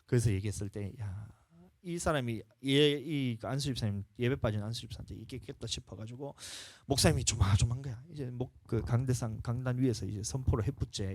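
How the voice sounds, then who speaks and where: A man's voice: mid-range voice, fast, vocal fry, no room sound. A male pastor with a Gyeongsang accent preaching a sermon in a folksy, storytelling way, urging the congregation along. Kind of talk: sermon at a revival service.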